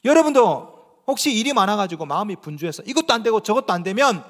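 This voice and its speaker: A male pastor preaching a sermon in church. He asks the congregation questions and swings between loud, emphatic lines and hushed, almost whispered ones. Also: sits high, big pitch swings, quick pace, in a large hall.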